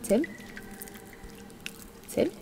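A woman playing an urgent, foul-mouthed Arctic research scientist in an audio drama. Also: drawn-out words. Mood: irritated, urgent. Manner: urgent, sweary, breaking into cries. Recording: very noisy radio-drama sound, clicks.

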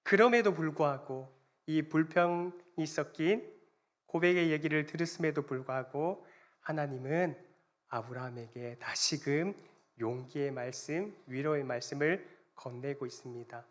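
A male pastor delivers a sermon in a fairly high-pitched voice. He builds to loud, emphatic peaks, then drops to quiet phrase endings, and he calls the congregation to read along. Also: a little slow. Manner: dramatic swings between loud emphatic lines and quiet endings; leads the congregation in responsive reading.

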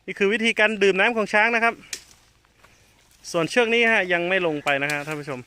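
A man's voice: sits high, fairly quick, slight background noise. A man keeping elephants, chatting to viewers in a casual outdoor vlog. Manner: chatty, addresses viewers, calls animals loudly. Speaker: elephant keeper and channel host.

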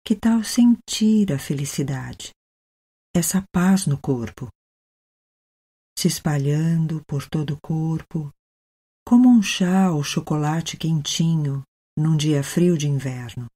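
Slow, low-voiced Brazilian woman guiding meditation. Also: lively intonation, breathy edge. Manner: gentle, unhurried, with long pauses. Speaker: meditation guide. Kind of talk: guided meditation, soothing narration.

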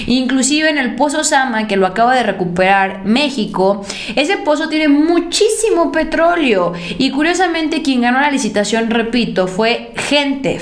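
Sarcastic young Mexican woman, roomy sound. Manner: emphatic, sarcastic, animated pitch swings. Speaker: political commentator. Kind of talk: opinionated news commentary. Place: indoor room at a desk. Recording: roomy echo.

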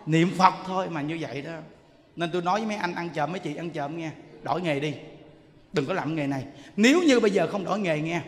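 A man giving a lively dharma talk, telling stories and exclaiming as he preaches. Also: on the high side. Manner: animated, exclaiming, quick shifts between loud and soft. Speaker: monk preacher. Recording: long hall reverb.

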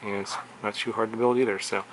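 A man hosting a casual hands-on product review at his workbench, talking in a relaxed, rambling way full of fillers and restarts. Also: on the low side, quick pace, a little hiss or hum. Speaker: drone review host. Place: indoor workshop desk.

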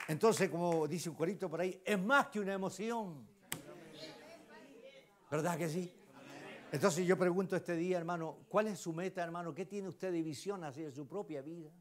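A man with a Chilean accent preaching a sermon, often turning to the congregation with questions and swinging between loud exclamations and hushed asides. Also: sits high, normal speed, a faint crowd. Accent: Chilean Spanish. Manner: emphatic, keeps asking the congregation rhetorical questions. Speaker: lay preacher.

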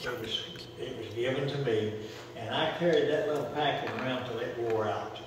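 A man's voice: mid-range voice, moderate pace, background noise. A middle-aged man leading a church Bible study, quoting scripture and prompting the group with questions. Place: church fellowship hall. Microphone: far camera. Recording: echoey hall from far off.

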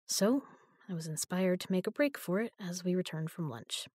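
A woman voicing a frightened prisoner in a sci-fi audio drama, weary and hushed, breaking into frantic pleading when she is left behind. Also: fairly low pitch, animated, normal speed, slightly rough, dry recording, studio quality.

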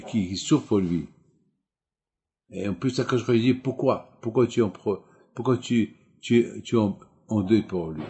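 Mellow-voiced rabbi, emphatic sermon. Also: male voice, on the low side, creaky. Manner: repetitive, emphatic rhetorical questions.

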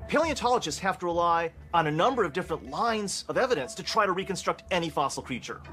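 A man's voice: sits high, animated, fast, sharp tone, faint music behind. A man explaining science as an expert in a documentary interview.

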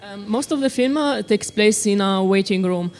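A woman's voice: mid-range voice, moderate pace, a little mellow. A young woman in her twenties interviews a director at a festival lounge. She talks hesitantly, filling gaps with uh and um, into a handheld microphone. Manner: hesitant, many fillers. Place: festival lounge set, indoors. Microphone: handheld mic.

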